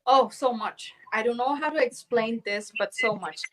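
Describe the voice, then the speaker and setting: A woman's voice: on the high side, moderate pace, fairly bright tone, poor audio. A young adult woman from Cambodia, a beauty queen and actress, answering interview questions over a video call, earnest and often searching for words.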